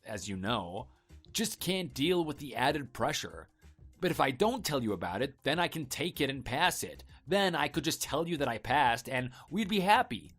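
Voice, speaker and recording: A man's voice: mid-range voice, a bit bright. A man playing an evasive husband in a scripted online story drama, talking casually and persuasively to placate his wife. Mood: casual, coaxing.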